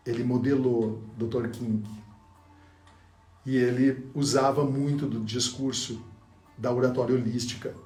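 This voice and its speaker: Man, speaking coach; dark, mellow tone, deliberate pauses and emphasis, echoey room, faint music behind. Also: mid-range voice, recorded from a distance. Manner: demonstrative, shifts loudness and pauses for effect. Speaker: public speaking teacher. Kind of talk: speech course lesson.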